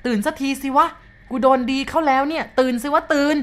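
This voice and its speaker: A woman voicing a terrified young male truck driver who shouts in panic. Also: sits high, steady tone, very slow, pitched above the performer's own voice. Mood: panicked shouting.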